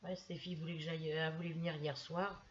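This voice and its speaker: A hoarse woman vlogger chatting casually while she crochets, telling rambling stories with many fillers and restarts. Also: deep voice, level tone, brisk, muffled recording, a little hiss or hum.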